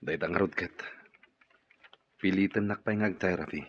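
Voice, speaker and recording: A man's voice: low-pitched, moderate pace, slight background noise, natural voice. A man with an Ilocano Filipino accent playing a downcast, grumbling disabled boss in a radio drama. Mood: gloomy. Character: gloomy disabled male boss in a wheelchair. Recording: dull lo-fi radio recording.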